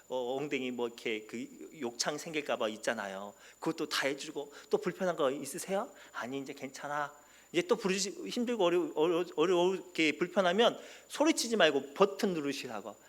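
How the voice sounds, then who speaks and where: A man preaching a sermon as pastor, animated and sometimes shouting. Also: on the high side. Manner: animated, acts out quoted voices and sometimes shouts.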